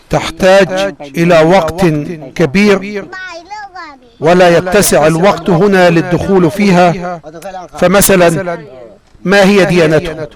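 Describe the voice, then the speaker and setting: This travel documentary narrator, a man from Egypt, speaks with a markedly high voice and delivers formal, measured lines that sound scripted. A distinct layer of many background voices and sounds plays under his narration.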